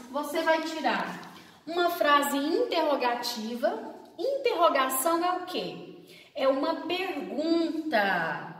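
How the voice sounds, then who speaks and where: Woman, Brazilian Portuguese accent, teacher, high lively voice, careful enunciation, long hall reverb. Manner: slow, drawn-out, over-enunciated explanation with frequent check-ins. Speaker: primary school teacher. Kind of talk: recorded grammar lesson for children. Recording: echoey room, distant from the mic.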